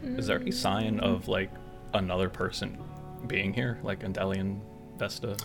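A man's voice: low voice, normal speed, creaky, loud music behind the voice. A man playing a tabletop game with dry, sardonic remarks. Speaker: player.

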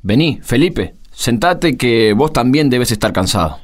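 Casting: actor as companionable village grumbler, Argentine male, mid-pitched with swooping intonation, radio play. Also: lively intonation, a little slow. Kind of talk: radio drama acting.

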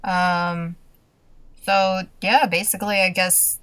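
A woman's voice: on the low side, flat delivery, slow, a bit bright, clean tone, no room sound. A young adult woman co-hosting a casual TV recap podcast, talking with lots of laughs and acted-out quotes. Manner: chatty, laughs often, acts out quotes. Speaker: podcast co-host.

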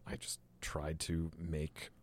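A man's voice: rumbling low, completely flat delivery, slow. A man in his forties, a filmmaker guest on a podcast, telling his story casually with lots of restarts and fillers. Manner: rambling, many restarts and fillers.

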